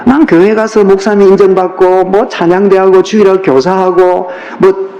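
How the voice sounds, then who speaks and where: A man's voice: high-pitched, little pitch movement, moderate pace, mellow. A middle-aged man with a Gyeongsang Korean accent preaching a sermon as pastor, speaking colloquially and firing rhetorical questions at his congregation. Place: church sanctuary. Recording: roomy, dull lo-fi church recording.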